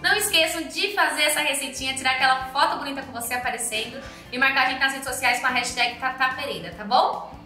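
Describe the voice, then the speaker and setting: Chatty higher-voiced woman cooking host. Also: fast talker, sharp tone, soft background music. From Brazil. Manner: chatty, affectionate, calls viewers "my loves". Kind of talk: upbeat recipe tutorial. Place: home kitchen, indoors.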